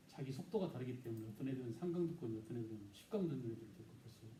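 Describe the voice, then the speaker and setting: Very fast and somewhat breathy, a man's dark, mellow voice rises and falls with lively intonation amid audible room echo. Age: 60s. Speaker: history teacher. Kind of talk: lecture. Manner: animated.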